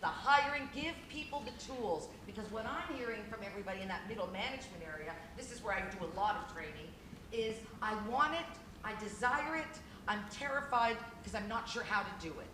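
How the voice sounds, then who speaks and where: A woman speaking on a conference panel as a diversity trainer, talking fast and animated with self-deprecating asides. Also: mid-range voice. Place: conference hall. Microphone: handheld mic. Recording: echoey hall with background noise.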